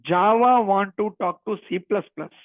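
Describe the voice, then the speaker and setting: This high-pitched male instructor, a native Telugu speaker from Telangana with a Telugu-accented Indian English, teaches programming at a moderate pace in an interactive online lecture. He repeats his phrases and questions and frequently addresses his students. The recording is dry and narrow, much like a phone call.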